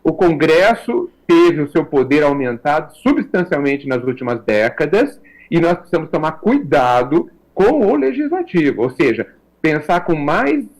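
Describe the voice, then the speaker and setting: A Brazilian man with a fairly high voice, speaking as a radio talk-show guest. He talks in a reflective, measured way and keeps asking his listeners to agree. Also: low-quality recording. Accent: Brazilian Portuguese. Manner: reflective, measured, many tag questions. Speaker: guest commentator.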